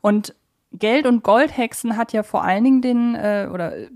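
A woman's voice: fairly high pitch, normal speed, a little mellow. Woman explaining in casual talk. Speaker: podcast co-host. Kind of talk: casual fan discussion.

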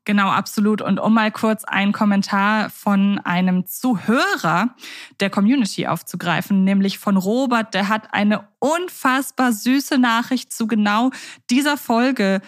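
A woman's voice: medium pitch, measured pace, no room sound. A woman co-hosting a casual podcast, leading the talk with questions and easy chatter. Her voice sits in a middle register and sounds close and dry, with no room around it. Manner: chatty, asks questions, fillers like ähm. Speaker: podcast co-host.

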